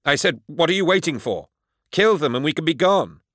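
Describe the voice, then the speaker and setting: A man's voice: on the high side, animated, fairly quick, fairly bright tone, no room sound, clean studio sound, voice pushed up. A man voicing a ruthless male gang leader who barks impatient, urgent commands.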